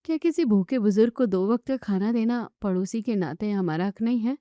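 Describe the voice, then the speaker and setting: Woman playing a gentle young daughter-in-law. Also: mid-range voice, expressive, brisk, dry recording, studio quality, lightly acted. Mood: earnest. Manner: pleading, earnest.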